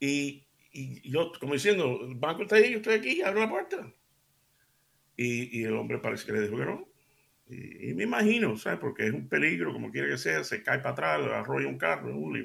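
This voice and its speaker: Talking at a fairly quick pace, a man makes big swings in loudness. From Spain, Seville. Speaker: radio preacher. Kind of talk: religious radio talk. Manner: warm, animated storytelling.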